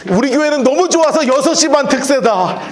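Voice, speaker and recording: A male pastor preaching a sermon in an animated, joking way, acting out little scenes and urging the congregation along. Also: very high-pitched, brisk, a little hiss or hum.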